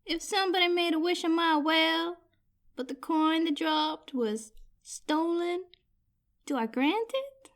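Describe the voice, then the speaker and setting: High-voiced, sly water spirit, played by a woman. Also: slow pace, a bit bright, heavily acted. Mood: sly, mischievous. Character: mischievous, vindictive female water spirit of wishing well. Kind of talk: fantasy comedy audio drama.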